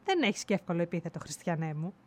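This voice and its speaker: Lively, teasing Greek woman hosting a podcast. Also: on the low side. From Greece. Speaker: podcast host. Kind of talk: casual podcast chat.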